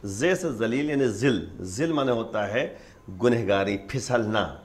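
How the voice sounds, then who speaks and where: A man, a religious scholar explaining things step by step with many repeated examples. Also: medium pitch. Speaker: Islamic scholar. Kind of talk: religious teaching in conversation.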